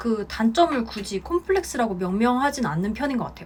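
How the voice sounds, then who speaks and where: A woman's voice with very wide pitch swings, a moderate pace and noticeable background noise. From Daegu, South Korea. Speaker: YouTuber and brand founder. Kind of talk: casual Q&A vlog.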